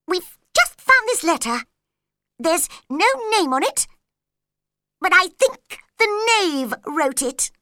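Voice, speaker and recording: A woman voicing a flustered male white rabbit who serves as herald, high and hurried. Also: sing-song, bright, forceful tone, no echo, heavily acted. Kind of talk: storybook character voice.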